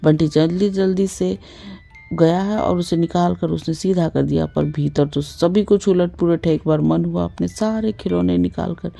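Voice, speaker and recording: Low, gravelly woman reading a novel. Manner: expressive, measured storytelling. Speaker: narrator.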